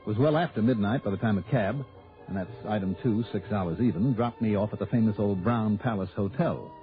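An actor playing a brisk, wry male insurance investigator who narrates his own case in a 1960s radio drama. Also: fairly low pitch, lightly acted. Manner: dry, easygoing, quick narration. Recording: tinny narrow-band old radio broadcast with music.

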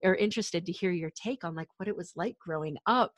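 A woman hosting a casual interview, asking her guest thoughtful questions in a measured way. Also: fairly low pitch, dry recording. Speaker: podcast host.

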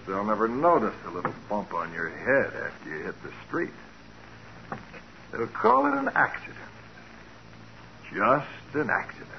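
An actor playing a cold, gloating killer with a menacing, mocking delivery in a 1940s radio crime drama. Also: male voice, mid-range voice. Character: cold, gloating male killer and crooked businessman with a gun. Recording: muffled, hissy 1940s radio recording.

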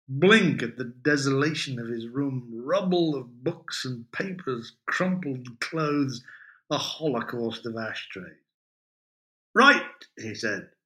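A man, a writer, reading his own short story aloud in a measured, expressive way. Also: mid-range voice. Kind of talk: literary reading.

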